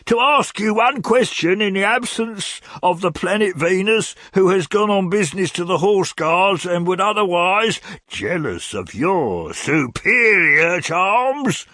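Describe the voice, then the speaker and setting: A courtly lovesick old gentleman. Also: sits high, expressive, dry recording, clean studio sound, voice pushed up, full character voice. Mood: theatrically adoring. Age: over 60. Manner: drawn-out, swooping, flowery declamation.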